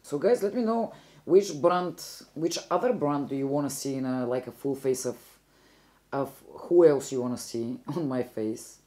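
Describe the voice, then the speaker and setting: A woman's voice: a bass voice, normal speed, dark tone. A young woman from Bulgaria with a Bulgarian accent, chatting casually through a makeup tutorial and often correcting herself mid-sentence. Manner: chatty, rambling, self-correcting. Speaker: beauty vlogger.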